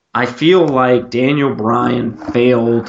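Noticeable noise sits in the background. The delivery is very slow. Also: man. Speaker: wrestling podcast co-host. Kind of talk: casual chat.

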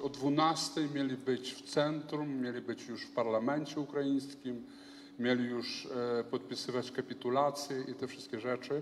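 Audible room echo and noticeable background noise surround speech delivered at a fairly slow pace with fairly even intonation. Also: man. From Ukraine. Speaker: pastor. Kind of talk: sermon. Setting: church.

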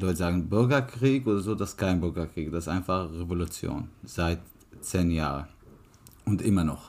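Here a man with an Arabic accent talks at a moderate pace. His pitch is very deep and low, with ordinary pitch variation. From Syria. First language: Arabic (speaking German). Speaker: refugee. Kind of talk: interview. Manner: halting.

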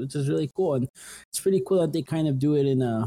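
Here a man speaks with an American accent. His tone is dark and mellow, and the sound is dry and close with no echo. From California, San Fernando Valley. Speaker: podcast co-host. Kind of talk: casual chat.

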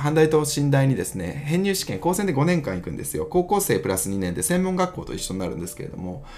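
Talking at a very fast pace, a man with a fairly high voice makes very wide pitch swings. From Himeji, Hyogo (Kansai), Japan. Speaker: company executive hosting own podcast. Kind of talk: solo podcast talk.

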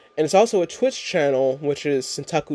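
Fairly high in pitch with ordinary variation, a man's voice comes through dry and close with no echo, amid noticeable background noise. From US Midwest, Chicago. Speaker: podcast host and blogger. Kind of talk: solo casual podcast monologue.

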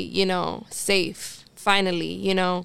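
At a fairly slow pace, a woman with a Spanish accent speaks in a monotone, flat intonation at medium pitch, in a very clean recording with a silent background. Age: 20s. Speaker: artist. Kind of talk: casual chat. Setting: studio.

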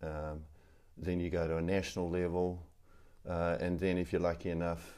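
In a New Zealand accent, a man speaks with a very deep, low pitch, a dark, mellow tone and monotone, flat intonation. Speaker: cycling race official. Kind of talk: interview. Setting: in Australia, at host's home. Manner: halting, many fillers.

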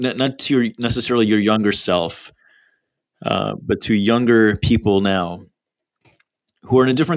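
A fairly low-pitched man with an American accent, at a moderate pace and with ordinary pitch variation. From US, Egyptian heritage. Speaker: podcast host, pastor. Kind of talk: casual interview conversation.

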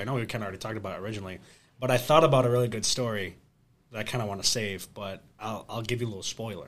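Speaking with an American accent, a man talks very fast with ordinary pitch variation. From Rochester area, New York. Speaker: podcast co-host. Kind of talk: casual chat. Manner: animated.

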